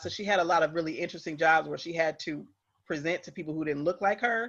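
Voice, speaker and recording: A woman with an American accent talks at a very fast pace. Her fairly low voice keeps a fairly even intonation. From Milwaukee, Wisconsin. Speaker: young professionals group leader. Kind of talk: podcast interview.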